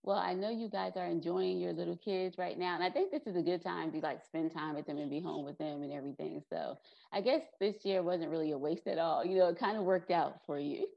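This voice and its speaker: A woman hosts a podcast with a low, gravelly voice. She chats casually and encourages her guest with praise. Her audio sounds dull and lo-fi. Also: fairly quick. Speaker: podcast host. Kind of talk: casual interview chat.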